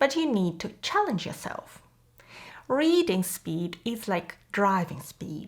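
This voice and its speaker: Speaking at a fairly slow pace with a Russian accent, a woman sounds somewhat breathy and her pitch swings very widely. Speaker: English exam tutor. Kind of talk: tutorial.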